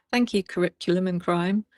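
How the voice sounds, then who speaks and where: Woman, stream host, soothing, chatty, reassuring, lowish voice, dry close recording. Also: no echo. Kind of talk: casual chat with co-host.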